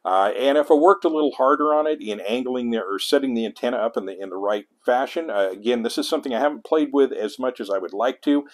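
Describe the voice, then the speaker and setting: A man's voice: mid-range voice, fast, hardly any pauses. A middle-aged American man hosting a casual hands-on tutorial, talking conversationally and thinking aloud as he corrects himself. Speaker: host of an amateur radio tutorial series. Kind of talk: casual hands-on demonstration talk.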